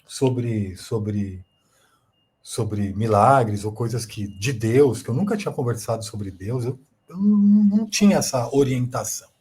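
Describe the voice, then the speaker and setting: A man's voice: mid-range voice, warm tone, husky. A Brazilian Portuguese-speaking man, a guest, telling a personal testimony in a rambling way with many fillers and repeated words.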